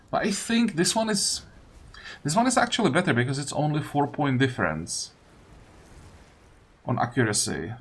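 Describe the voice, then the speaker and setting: A man giving casual let's-play commentary, thinking aloud as he deliberates over his choices. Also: mid-range voice, slight background noise. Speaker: gamer commentating his playthrough. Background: faint game music.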